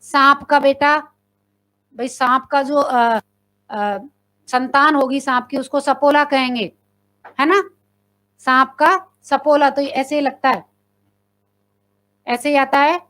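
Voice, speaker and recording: A woman teaches a live exam-prep class in a high voice. She reads each question and its options aloud, asks her viewers to answer, and confirms the right option. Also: fairly even intonation, slow, pauses often, sharp tone. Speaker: Hindi teacher.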